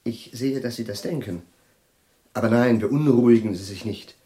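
An actor playing an eccentric, absent-minded chemistry professor in a radio play, hesitant and fumbling for words. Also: male voice, medium pitch, normal speed, warm tone, slight background noise, lightly acted. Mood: probing.

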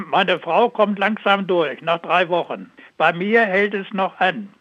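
A man's voice: sits high, expressive, slow pace, no room sound. A man calling a phone-in, chatting casually about his complaints and questions over a telephone line. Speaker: phone-in caller.

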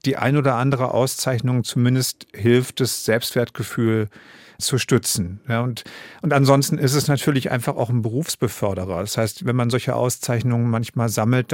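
A man's voice: medium pitch, steady tone, normal speed, a little mellow, no room sound, studio quality. A man in his fifties, a radio drama director and author, answering interview questions in a thoughtful, self-doubting way with many fillers and restarts. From Germany. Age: 50s.

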